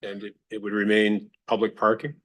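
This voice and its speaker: Councillor guy, lowish voice, asks polite questions at a meeting. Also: completely flat delivery, normal speed, fairly bright tone. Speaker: city councillor.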